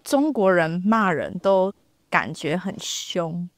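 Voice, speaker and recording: A woman from Taiwan who teaches Chinese, chatting casually as a podcast guest and swooping up in pitch when she quotes people. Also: slow, no room sound, clean studio sound. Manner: expressive, swoops up when quoting. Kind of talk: casual chat.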